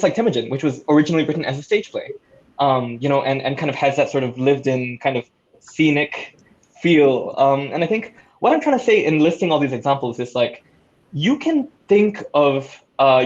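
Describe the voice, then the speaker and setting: A man talking casually and encouragingly on a panel as an audio drama creator, with an excited manner. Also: on the high side, muffled recording.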